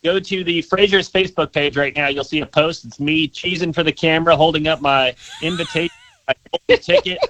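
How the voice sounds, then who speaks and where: A young man who works as a museum tour guide, answering interview questions eagerly and repeating words as he rushes. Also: fairly high pitch, wildly swooping pitch, sharp tone, dry recording, low-quality recording. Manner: eager, enthusiastic, repeats words when rushing.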